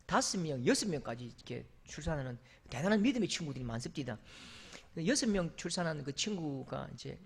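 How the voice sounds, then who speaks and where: A male pastor preaching a sermon in a church sanctuary, emphatic, rising to loud exclamations and dropping to soft asides. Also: on the high side, big pitch swings, a little fast, vocal fry, breathy edge.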